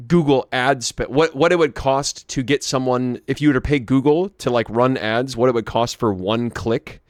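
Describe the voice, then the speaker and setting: Hoarse young man telling a rambling story. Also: mid-range voice, moderate pace, no room sound, studio quality. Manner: rambling, with frequent restarts and asides. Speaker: vlogger. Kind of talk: casual storytelling to camera.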